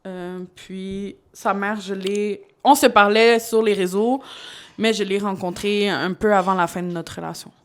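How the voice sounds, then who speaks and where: Woman guest, mid-pitched voice, candid storyteller, quick to laugh. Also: fairly even intonation. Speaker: podcast guest. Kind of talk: casual live podcast chat. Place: studio. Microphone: podcast microphone.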